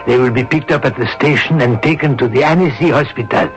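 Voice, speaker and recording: An actor playing a brave, kindly, courteous Catholic monsignor in a radio drama. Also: male voice, mid-range voice, quick pace, lightly acted. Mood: urgent, reassuring. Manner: courteous, dryly witty, assured. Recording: dull old radio broadcast, music behind.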